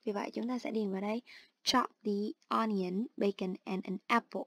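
A woman teacher calmly explaining an online English exercise step by step. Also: mid-range voice, quick pace, dry recording. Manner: steady instructional, explains each step. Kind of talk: online lesson narration.

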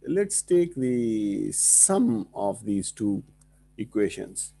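A man with a South Asian accent teaches in a soft-edged, husky voice with a mellow, relaxed tone. He works through technical material as a lecturer, slipping between English and Hindi-Urdu phrases and putting short questions to his students. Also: medium pitch. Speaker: engineering lecturer. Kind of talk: classroom lecture with board working and questions to students.

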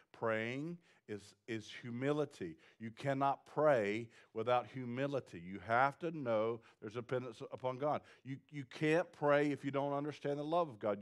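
A man's voice: fairly high pitch, fairly bright tone. A middle-aged man preaching a sermon to a small congregation, building to emphatic repeated lines. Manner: preaching with rising intensity and emphatic repetition; pacing the stage with wide gestures. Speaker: pastor. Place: small church stage with seated congregation.

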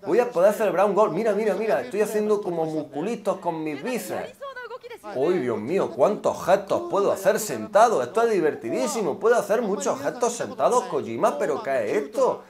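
A man's voice: sits high, sing-song, fairly quick, a crowd in the background. A young man giving sarcastic reaction commentary, mocking everything with exaggerated mock delight. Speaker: youtuber reacting to a game demo.

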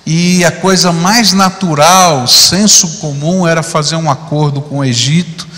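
A man's voice: fairly high pitch, unhurried, bright, forceful tone. A middle-aged male pastor preaching conversationally on a church stage into a handheld mic, often adding tag questions. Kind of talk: sermon. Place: large church auditorium stage. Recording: long hall reverb.

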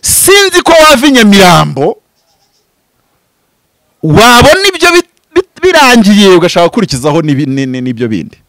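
A man in his thirties from Rwanda, a pastor speaking in an impassioned, preaching style, swinging from loud bursts to low murmurs. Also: huge pitch swings, brisk, dry recording. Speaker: pastor and prophet. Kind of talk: animated preaching-style interview talk. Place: outdoors before green foliage. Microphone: handheld mic held close.

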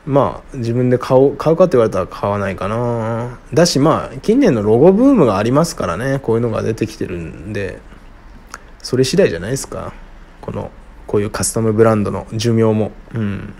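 A man answering listener questions alone in casual talk, frank and rambling with many fillers, often trailing off quietly. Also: brisk. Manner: lively, wide pitch swings. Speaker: radio-style show host answering listener questions.

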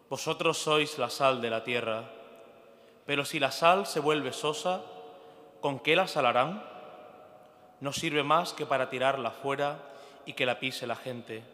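A man's voice: medium pitch, bright, forceful tone. A man giving a solemn liturgical Gospel reading at Mass, his voice echoing through a cathedral. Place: large stone cathedral, at a lectern among clergy. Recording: long cathedral echo.

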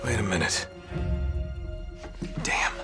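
An actor with an American accent playing a wisecracking, cocky and curious adventurer in a video game, conversational and casual. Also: male voice, takes it slowly, over music, natural voice. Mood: curious, wry. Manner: wry, casual. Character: wisecracking young male treasure hunter, cocky and curious. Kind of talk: cinematic game acting, conversational.

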